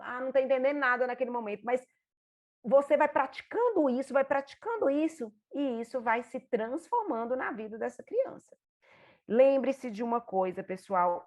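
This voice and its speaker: A woman with a Brazilian Portuguese accent, a therapist and mother, giving an informal, animated teaching talk. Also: a little high. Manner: animated, acts out examples in a lively voice. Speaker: therapist and mother of an autistic child.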